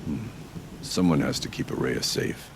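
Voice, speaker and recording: An actor playing a stern, burdened tribal warrior chieftain who speaks solemnly and tersely in a video game. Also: male voice, very deep voice, normal speed, gravelly, noisy background, exaggerated voice. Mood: grim. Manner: solemn, terse, weighty formal phrasing. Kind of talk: dramatic video game acting.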